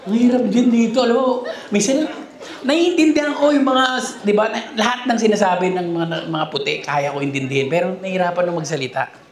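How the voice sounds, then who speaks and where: A man from the Philippines doing an animated stand-up comedy set, laughing as he acts out quotes at a live venue. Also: high voice, a little fast. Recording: echoey hall with loud crowd.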